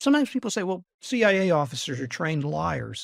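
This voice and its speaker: A high-pitched man with an American accent, very wide pitch swings and a moderate pace, in a dry, close sound with no echo. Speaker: former intelligence officer and author. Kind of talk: interview. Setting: podcast. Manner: calm, soothing.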